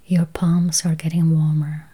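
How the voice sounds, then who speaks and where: Whispering, breathy woman guiding meditation slowly. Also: sits low, level tone, mellow. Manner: slow, soothing, with long pauses. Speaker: guided meditation host. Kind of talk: whispered guided meditation with affirmations.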